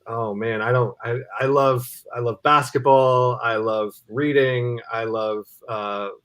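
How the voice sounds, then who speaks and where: A man's voice: medium pitch, steady tone, takes it slowly, fairly bright tone. A man in his thirties from Cameroon, a nonprofit CEO speaking as a guest in a casual interview, with an eager, earnest manner. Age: 30s.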